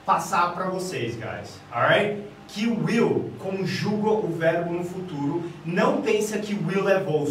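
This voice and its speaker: A man with a Brazilian Portuguese accent teaching an English lesson on video, emphatic, repeating "guys" and drilling examples slowly. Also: high voice, fairly bright tone, slight background noise. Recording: very echoey room, distant from the mic.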